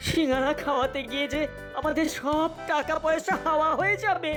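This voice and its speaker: A woman's voice: high-pitched, a little fast, close to an everyday voice. A woman voicing a cheeky, mischievous boy who likes wordplay in a comedy cartoon. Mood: worried. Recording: music behind the voice.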